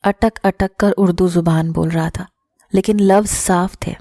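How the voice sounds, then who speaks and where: A woman tells an emotional first-person story in an earnest narration. Her voice is mellow and warm at a medium pitch. The recording is dry, with no room sound. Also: steady tone, no room sound.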